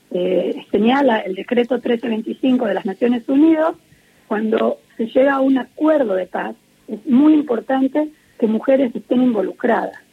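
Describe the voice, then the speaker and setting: A middle-aged woman with an Argentine Spanish accent speaks in an earnest, measured way, pausing often to find her words. Her voice sits a little high but comes through very husky and gravelly. She is heard on a muffled, lo-fi phone line. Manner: earnest, measured, many hesitations. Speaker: interviewee, peace activist. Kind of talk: phone interview on radio. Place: at home in Israel.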